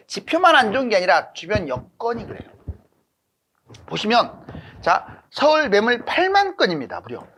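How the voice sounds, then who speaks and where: A husky-voiced host delivers market commentary like a hard-sell pitch. The pitch swings widely from phrase to phrase. Statements come in short, emphatic bursts, broken up by rhetorical questions. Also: a bit bright. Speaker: host of a real estate economics channel.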